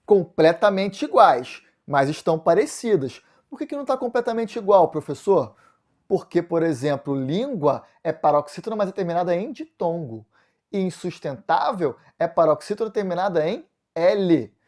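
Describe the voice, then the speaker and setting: A man's voice: high-pitched, expressive, moderate pace, darkish tone. A man with a Brazilian accent teaching a video lesson, walking through exam answers step by step and answering his own questions. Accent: Brazilian Portuguese. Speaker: Portuguese teacher.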